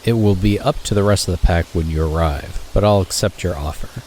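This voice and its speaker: A very low-voiced wolf leader played by a man in an audio drama, stern and guarded. He speaks in curt, firm statements, with faint night insects behind him. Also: brisk, darkish tone, a little hiss or hum, natural voice. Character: stern, wary male wolf, leader of the pack.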